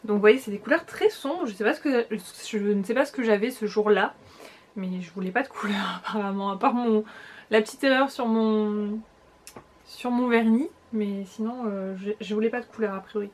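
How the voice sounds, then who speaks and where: A woman's voice: medium pitch, moderate pace. A young woman vlogger chatting casually through a makeup haul, talking straight to her viewers with frequent small restarts. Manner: chatty, hesitant restarts, addresses viewers directly. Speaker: beauty vlogger.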